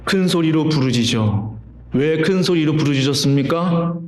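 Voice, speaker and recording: A man's voice: on the high side, moderate pace, a little mellow, a little hiss or hum. A man preaching a sermon as pastor, telling stories and asking the congregation rhetorical questions. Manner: conversational storytelling with rhetorical questions. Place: church sanctuary. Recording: roomy church reverb.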